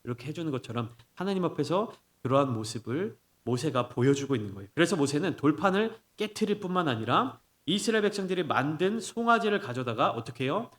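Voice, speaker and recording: A man's voice: a little high, fast, hardly any pauses. A man preaching a sermon as pastor, explaining the passage with rhetorical questions he answers himself. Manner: acts out scolding quotes in lively bursts.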